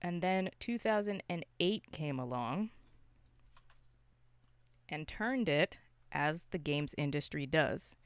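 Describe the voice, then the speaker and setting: A podcast host chatting casually about films and games in an animated, self-interrupting way with some mild swearing. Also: mid-range voice, takes it slowly, pauses often, clear, resonant tone, no room sound. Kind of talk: casual film and game discussion.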